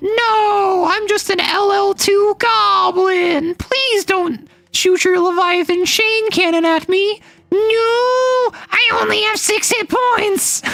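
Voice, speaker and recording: The speaker uses a put-on character voice at an extremely high pitch, going at a very slow pace. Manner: panicked, pleading.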